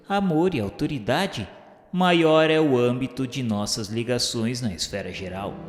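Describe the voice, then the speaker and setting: A man narrating a radio drama in the first person, formal and reverent in tone, also speaking his own lines to a mentor. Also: mid-range voice. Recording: roomy, reverberant hall sound with music.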